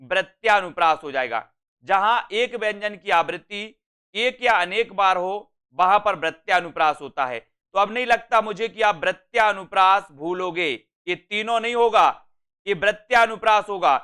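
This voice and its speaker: A man teaching an exam-prep lesson. He keeps repeating his points, often adds a checking "right?", and slows down to recite lines of verse. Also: sits high, bright, forceful tone, smooth. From India.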